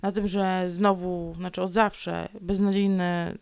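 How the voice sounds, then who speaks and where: Woman vlogger, solo grumbling monologue, gravelly texture, dry close sound, sulky rants with whispered asides and mock growls. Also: on the low side, little pitch movement, slow pace, darkish tone, no room sound, muffled recording. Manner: sulky ranting, dips into whispered mutters; playful growls and repetitions.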